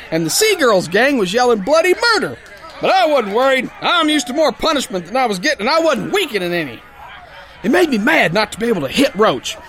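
A man's voice: extremely high pitch, bright, forceful tone, heavily acted. An actor playing a brash, hot-headed, dim-witted sailor boxer, telling his tale in boisterous, folksy tough-guy talk in a pulp audio drama. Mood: aggrieved, wry. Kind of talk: theatrical first-person pulp story narration.

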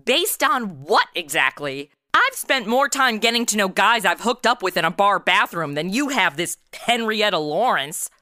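A snarky, modern American woman in her twenties in a comic audio drama. Her voice is bright and swings widely in pitch. She is slangy and exasperated, recorded very dry. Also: very animated, normal speed, few pauses, no room sound. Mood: sarcastic, insistent. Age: young adult. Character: sarcastic modern twenty-something woman zapped into old radio noir. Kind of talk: comedic audio drama, first-person narration and dialogue.

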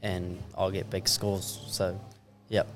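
A man's voice: deep voice, little pitch movement, slow, soft background music. A man chatting casually as a podcast guest, slangy and laid-back. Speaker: podcast guest, competitive surfer. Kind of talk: casual chat. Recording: faint background noise.

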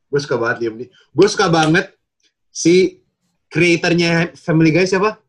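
Upbeat slangy guy talking about doing voices, kinda high pitched. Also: normal speed. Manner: lively, slangy, jumps into voices. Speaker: guest impressionist. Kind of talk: casual chat.

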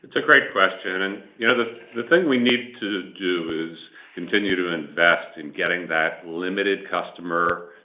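Really deep guy exec on an earnings call, corporate speak, roomy muffled phone sound. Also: moderate pace, hardly any pauses. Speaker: company executive answering analysts. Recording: echoey, band-limited conference phone line.

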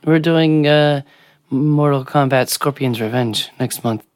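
A man chats as a podcast co-host in a medium-pitched, slightly worn-out voice. He is casual and wry. The sound is dry, with no room around it. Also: a little slow, no room sound. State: voice worn out, has little voice left.

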